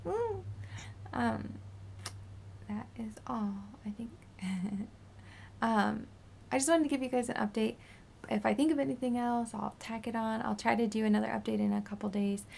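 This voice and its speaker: A woman in her twenties, tired and sore after surgery, rambling casually in a raspy voice that sometimes drops to a whisper. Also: on the high side, normal speed, long pauses, slight background noise. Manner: rambling, drifting into soft whispers. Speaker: beauty vlogger. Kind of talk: casual post-surgery update vlog.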